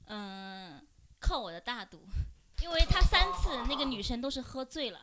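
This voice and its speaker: A woman's voice: high voice, very animated, normal speed, very noisy. A female guest telling a personal story in a plain, matter-of-fact way. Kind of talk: casual storytelling.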